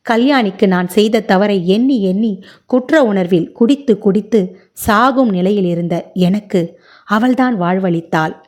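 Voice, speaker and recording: A woman voicing a grieving, remorseful older father who speaks tearfully and slowly in a spoken short story. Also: mid-range voice, a little mellow, close to an everyday voice. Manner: tearful, pleading.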